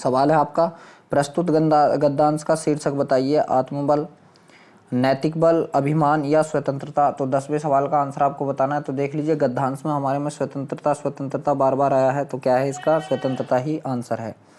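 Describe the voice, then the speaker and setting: Male exam-prep tutor, mid-pitched and monotone, talking students through quiz answers with plenty of repetition. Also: normal speed. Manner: repetitive, explanatory, frequent check-in tags. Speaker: exam-prep Hindi teacher. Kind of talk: lesson, reading out and solving quiz questions.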